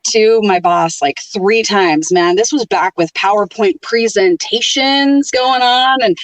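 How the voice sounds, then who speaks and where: A middle-aged woman who works in radio, chatting casually and telling stories in an animated way as a podcast guest. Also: medium pitch, slow pace, dry recording, distant mic, rough recording. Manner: animated storyteller, lively tone. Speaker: radio programmer and on-air host, podcast guest. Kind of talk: casual interview chat.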